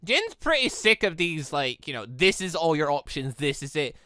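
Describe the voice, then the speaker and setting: A man commenting on a visual novel playthrough as a gaming host, talking in animated, rambling explanations. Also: on the high side, moderate pace, no room sound, clean studio sound.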